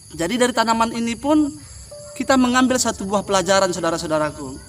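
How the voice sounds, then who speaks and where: A man speaks in a shrill voice at a very fast pace with lively intonation, with music playing in the background. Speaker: spiritual teacher. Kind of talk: religious talk. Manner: halting.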